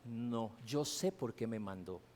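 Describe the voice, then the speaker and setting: A man's voice: medium pitch, expressive, slow pace, a little mellow. A man preaching a sermon in a church, asking the congregation emphatic rhetorical questions. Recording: long hall reverb.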